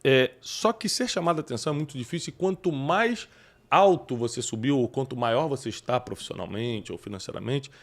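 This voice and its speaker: Lively man hosting. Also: medium pitch, fairly quick. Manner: animated, preachy, quotes scripture. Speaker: podcast host. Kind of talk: casual chat.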